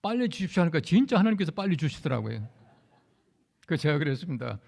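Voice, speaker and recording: A man's voice: on the high side, big pitch swings, fast talker, creaky, a little mellow. A man preaching a conversational sermon as a pastor, telling anecdotes and speaking directly to the congregation. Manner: recounts anecdotes with acted quotes. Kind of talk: storytelling sermon.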